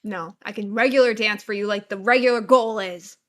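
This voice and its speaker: A woman co-hosting a livestream, teasing and sharp-tongued, swearing freely in casual chat. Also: mid-range voice, brisk. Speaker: livestream co-host.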